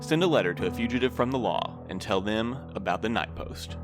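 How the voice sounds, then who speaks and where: A man with a fairly low voice reads a scripted outro as a podcast announcer. Guitar music plays clearly behind him. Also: expressive, a little fast.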